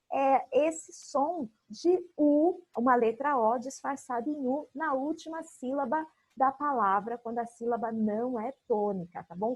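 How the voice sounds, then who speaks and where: A woman's voice: on the high side, breathy edge, no room sound, poor audio. A woman with a Brazilian Portuguese accent teaching a recorded online class for young children, patiently explaining and drawing out example words.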